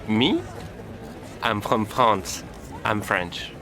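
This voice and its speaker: A man playing a friendly young man making small talk in a slow, clearly spoken lesson dialogue. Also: fairly low pitch, sing-song, sharp tone, full character voice. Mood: chatty.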